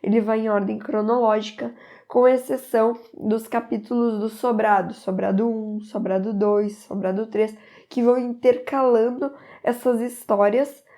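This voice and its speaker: Mellow-voiced woman with a cold. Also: on the high side, fairly even intonation, normal speed. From southern Brazil. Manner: enthusiastic, rambling with fillers. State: slightly stuffy from a cold. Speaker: book reviewer. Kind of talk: casual book recommendation to camera.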